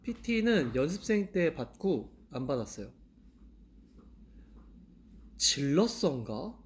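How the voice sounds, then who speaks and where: Unhurried and sing-song, this mid-range male voice belongs to an idol live-stream host in his twenties, talking casually to fans on a handheld mic with a little hiss or hum in the background. He laughs a lot and poses questions to himself aloud.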